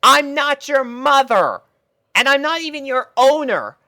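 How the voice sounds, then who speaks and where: A man doing a brash tomboy pegasus in falsetto. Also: expressive, unhurried, no room sound, studio quality, heavily acted. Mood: fed up. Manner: high strained falsetto, loud and brash. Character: brash tomboyish female pegasus pony, cocky.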